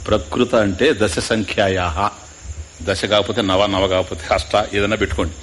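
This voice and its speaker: A man's voice: lowish voice, steady tone, normal speed, a bit bright, a little hiss or hum. A man giving a spiritual discourse as a Vedanta teacher, often quizzing his listeners and dropping in English asides.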